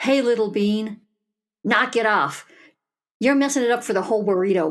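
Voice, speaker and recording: In a put-on character voice, a woman booms at a fairly high pitch. She keeps a moderate pace and very even loudness. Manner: big, booming, scolding.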